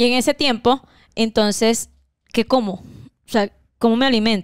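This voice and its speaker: Recorded dry with no echo against a quiet background, a woman talks at a fairly high pitch with fairly even intonation. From Venezuela, Caracas (Petare); Venezuela. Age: 20s. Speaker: Venezuelan migrant guest; guest. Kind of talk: casual interview. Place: home room. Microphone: handheld.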